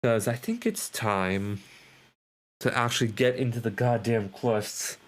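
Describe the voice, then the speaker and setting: A man's voice: mid-range voice, steady tone, unhurried, a little hiss or hum. A man doing casual live gameplay commentary, rambling, repeating himself and swearing offhand. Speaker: game livestreamer.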